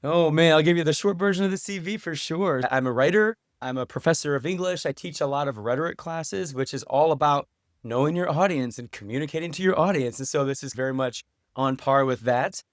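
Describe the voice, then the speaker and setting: Male podcast guest, moderately high pitch, conversational, articulate, informal, dry room-free sound. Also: a little fast, no room sound. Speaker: podcast guest, writer and English professor. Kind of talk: conversational interview answers.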